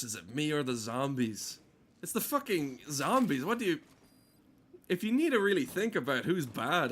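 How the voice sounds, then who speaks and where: A man giving casual, rambling gameplay commentary in a sardonic, exasperated and sweary way. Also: on the high side. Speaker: game streamer.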